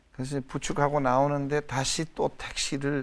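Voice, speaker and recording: A man with a Jeolla accent speaks at a fairly slow pace in a fairly high pitch. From Jeolla, Korea. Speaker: surgeon, professor. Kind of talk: interview answer. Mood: somber, recounting father's accident. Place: studio. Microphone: lapel.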